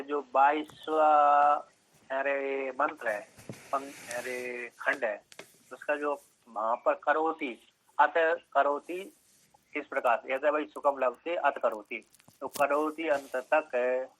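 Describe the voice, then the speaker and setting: A man's voice: medium pitch, steady tone, slow, a bit bright. A man giving a scripture lecture, explaining step by step, repeating phrases and checking that listeners follow. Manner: repeats phrases, checks understanding with short questions. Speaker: scripture teacher. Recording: dull lo-fi recording.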